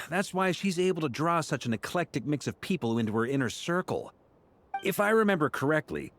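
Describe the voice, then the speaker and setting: A man voicing an easygoing knight in a video game who talks in relaxed, teasing banter. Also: fairly high pitch, slight background noise. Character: genial male knight, easygoing and joking.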